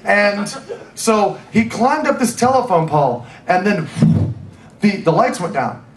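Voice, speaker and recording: A man's voice: sits high, measured pace. A man hosting a convention panel, telling comedic stories and acting out quoted voices. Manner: animated, mimics voices in quoted dialogue. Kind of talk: comedic storytelling to a live audience. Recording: echoey room with faint ambience.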